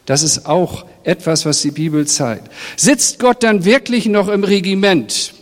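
A man's voice: high voice, unhurried. A middle-aged man, a pastor, giving a sermon in a direct, conversational way and speaking straight to his congregation. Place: church hall. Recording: long reverb of a church hall.

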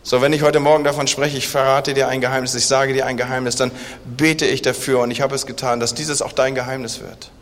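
A man preaching a sermon at a church service, asking rhetorical questions and sinking into quiet, intense emphasis. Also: medium pitch, little pitch movement, brisk. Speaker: pastor. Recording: long church reverb.

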